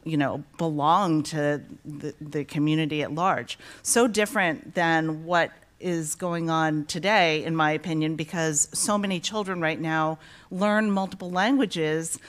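Low-voiced woman interviewer, emphatic. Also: a little slow. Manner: conversational, emphatic, with many fillers. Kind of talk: onstage conversation. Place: stage at a library event. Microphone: handheld mic.

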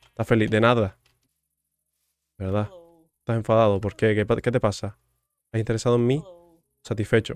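A man talking his way through a game, cracking jokes at the characters and muttering asides. His voice sits at an ordinary pitch and is recorded close and dry, with no room sound. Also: darkish tone, no echo. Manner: joking, teasing, chatty with game characters. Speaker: gaming streamer. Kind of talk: casual gameplay commentary.

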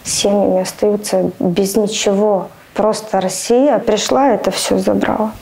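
A woman giving halting testimony in an interview, recorded indoors. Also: medium pitch, steady tone, gravelly, dark tone, slight background noise, low-quality recording. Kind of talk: emotional testimony.

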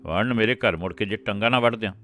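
A man voicing a drunk, angry middle-aged father in an audiobook, threatening and shouting. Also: fairly low pitch, steady tone, normal speed, natural voice. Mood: roaring threats.

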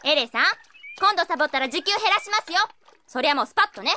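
A woman playing a small, bossy child tavern manager who scolds briskly and politely in an anime-style radio drama. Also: high voice, expressive, very noisy. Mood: stern.

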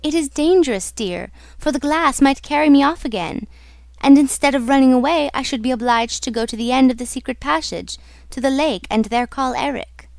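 A woman's voice: high voice, normal speed, creaky, a little mellow, no echo. A woman voicing a fearful, earnest young female opera singer in a dramatic, pleading manner for a storybook.

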